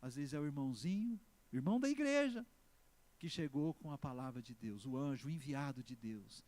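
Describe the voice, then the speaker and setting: A male pastor preaches in a mid-range, animated voice marked by a Brazilian Portuguese accent. His delivery is emphatic, shifting between loud exclamations and slow, stressed words while he keeps asking the congregation for answers.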